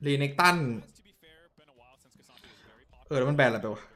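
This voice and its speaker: A man streaming himself watching a match, commenting casually in a blunt, excitable way with crude slang and answering viewer messages. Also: medium pitch, rapid-fire.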